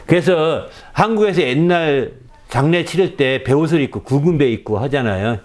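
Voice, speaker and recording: A middle-aged man preaching a sermon with a rather high, very lively voice that rises and falls freely. He talks conversationally and keeps tossing quick questioning checks to his listeners. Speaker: pastor.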